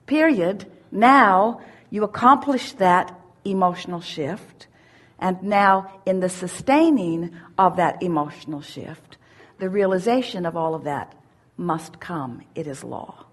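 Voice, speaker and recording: A woman giving a spiritual teaching at a seminar, speaking as "we" in an emphatic, drawn-out way. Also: lowish voice, expressive. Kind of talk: channeled teaching in first person plural.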